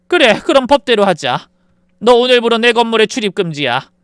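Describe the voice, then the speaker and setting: A man voicing a furious woman in her sixties who scolds her son and daughter-in-law in sharp demands, in a dramatized story reading. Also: very high-pitched, very animated, fairly quick, smooth, no echo, studio quality, voice pushed up, exaggerated voice. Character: furious older woman, a landlord mother.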